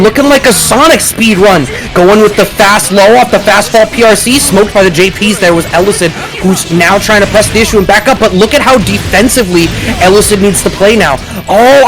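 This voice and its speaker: Excitable man calling fighting game matches. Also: high voice, a little fast, hardly any pauses, rough recording. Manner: excitable, animated, bursts of shouting at big plays. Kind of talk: esports play-by-play commentary. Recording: music playing underneath.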